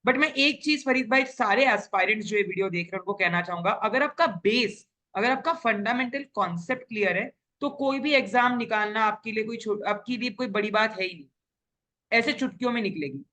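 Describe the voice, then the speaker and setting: A man's voice: sits high, animated, fast, bright, forceful tone. A young man, a top-ranked exam guest, explaining his study methods earnestly and step by step, mixing in English. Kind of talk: casual interview chat.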